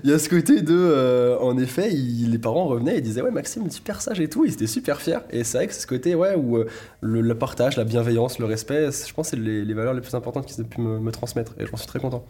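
A man's voice: mid-range voice, lively intonation, quick pace, dark tone. A young man, a YouTuber talking through an interview with many fillers and restarts. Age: 20s. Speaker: YouTuber guest. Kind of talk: casual interview chat.

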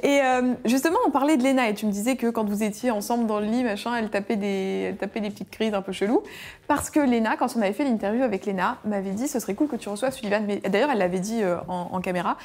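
A woman's voice: medium pitch, fast, darkish tone. A woman hosting a casual interview, chiming in with short teasing remarks and drawing her guest out. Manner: brief encouraging interjections, teasing.

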